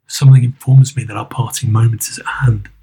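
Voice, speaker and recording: A man voicing a frightened elderly male miser, speaking in a husky, hushed way. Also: mid-range voice, steady tone, fairly quick, pitched below the performer's own voice. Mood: pleading.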